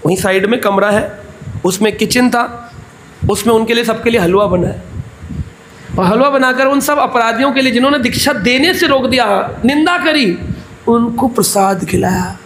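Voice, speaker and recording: A man's voice: very high-pitched, moderate pace, fairly bright tone, slight background noise. A man preaching a scripture discourse in a temple, telling the story and acting out its dialogue, and posing questions he answers himself. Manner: asks the audience questions and answers them. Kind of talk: Bhagavatam discourse sermon. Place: temple hall.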